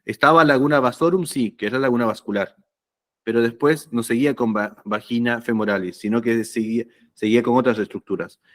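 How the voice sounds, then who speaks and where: Talking through lecture slides at a brisk clip, this male anatomy teacher has a medium-pitched voice. His style is conversational, with frequent checks that the students are keeping up.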